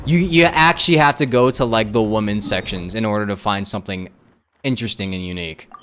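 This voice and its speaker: A man's voice: on the low side, a little fast, a bit bright, a little hiss or hum. A man streaming a game with casual, informal commentary, repeating phrases for emphasis. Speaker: live streamer. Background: game music.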